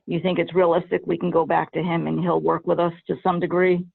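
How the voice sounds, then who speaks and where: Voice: mid-range voice, monotone, a little fast, creaky, breathy edge. A committee chair who talks hesitantly in a meeting, with many restarts and repeated okays. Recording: tinny phone line.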